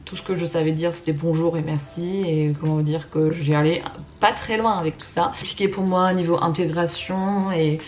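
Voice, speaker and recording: Chatty young woman with a low voice. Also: moderate pace, a little hiss or hum. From Germany and France, Russian-Canadian. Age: 20s. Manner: chatty, many fillers, animated emphasis. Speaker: vlogger. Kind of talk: casual personal storytelling.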